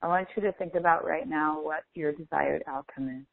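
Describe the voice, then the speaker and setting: A woman leading a guided meditation as a coach, speaking in a slow, deliberate, instructive manner with long pauses. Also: sits low, vocal fry, no room sound. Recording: phone-like thin, band-limited audio.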